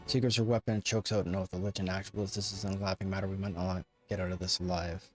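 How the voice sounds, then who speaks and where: A man's voice: low-pitched, flat delivery, fast, faint music behind. A man hosting a video game play-through, chatting casually and reading the game's text aloud.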